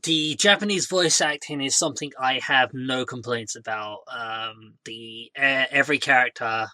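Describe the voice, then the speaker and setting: Bright, dry-sounding man, halting. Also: mid-range voice, no room sound. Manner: halting, with many fillers and restarts. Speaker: podcast co-host. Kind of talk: casual podcast chat.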